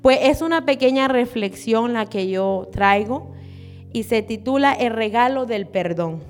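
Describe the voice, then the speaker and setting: A woman's voice: fairly high pitch, a little slow, faint music behind. Nervous young Honduran woman preaching. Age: 20s. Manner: earnest, a little nervous, frequent "¿verdad?". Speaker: church speaker. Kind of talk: sermon and prayer. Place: church.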